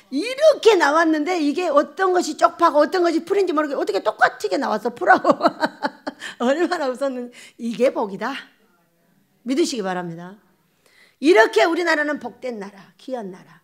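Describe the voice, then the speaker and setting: A woman pastor preaching a sermon, telling stories with laughter and acting out quotes. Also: sits high. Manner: animated storytelling with laughter and acted-out quotes. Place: church sanctuary.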